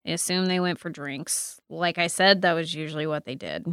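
A woman's voice: deep voice, moderate pace, a bit bright, smooth, no echo, studio quality. A woman playing a guarded, sarcastic young woman in an audio drama, speaking in a curt, defensive way.

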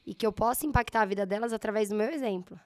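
A slightly hoarse woman in her thirties with a Brazilian accent, telling her story in a casual interview and acting out her past thoughts. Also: medium pitch, racing. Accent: Brazilian Portuguese. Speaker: guest, entrepreneur.

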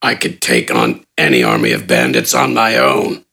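A narrator voicing a hulking male brute who is gruff, blunt and easily irritated. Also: a bass voice, sing-song, moderate pace, bright, forceful tone, pitched below the performer's own voice, exaggerated voice. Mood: grumbling.

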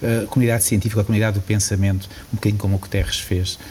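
A man's voice: lowish voice, level tone, racing, a little mellow, slight background noise. A man with a European Portuguese accent interviewing, asking long, hesitant questions. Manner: hesitant, searching questions with fillers.

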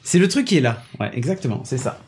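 Fast-talking and a little mellow, a medium-pitched male host swings his pitch widely as he presents a gadget on a casual tech podcast. He's chatty and enthusiastic, full of hesitations, and uses a studio microphone mounted on a mixing desk.

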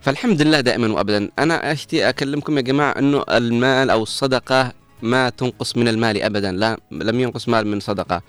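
A man's voice: mid-range voice, very fast, clean tone, no room sound, faint music behind. A man presenting a morning radio talk, earnest and preachy as he gives moral advice.

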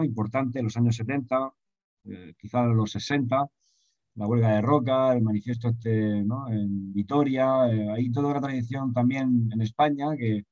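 A man's voice: mid-range voice, darkish tone, no room sound. A man with a Spanish accent from Spain asking a rambling, hesitant question in a seminar, often adding tag questions. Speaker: discussion participant. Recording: slightly dull, lo-fi, dry.

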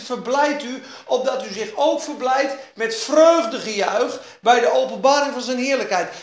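A man preaching an evening sermon with emphasis, repeating key phrases and dropping to quiet asides. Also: high-pitched. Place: evening church meeting. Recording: echoey hall, faint background noise.

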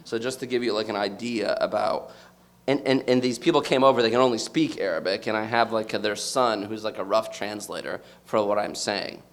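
A man's voice: on the low side, brisk. A man in his thirties from the United States, giving a personal, reflective talk to a live audience and searching for his words as he goes. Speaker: speaker addressing an audience.

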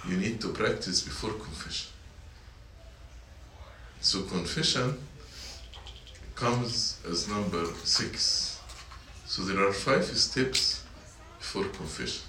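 In a church meeting room, a youth teacher with a fairly low, sharp-toned voice delivers a sermon to middle school students, going over his points again and quizzing them. The room echoes, the microphone sits some distance away, and there is slight background noise.

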